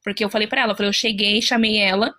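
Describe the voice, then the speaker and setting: A woman's voice: medium pitch, steady tone, racing, pushed and bright. A woman with a Brazilian Portuguese accent, earnestly telling a personal story as a mother of an autistic child, often quoting what others said.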